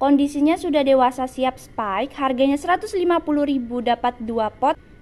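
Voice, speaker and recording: A woman's high-pitched, animated voice at a moderate pace, with ordinary pitch variation. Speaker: orchid seller. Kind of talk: sales pitch. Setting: video recording. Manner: animated, cheery street-seller pitch. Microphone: phone near.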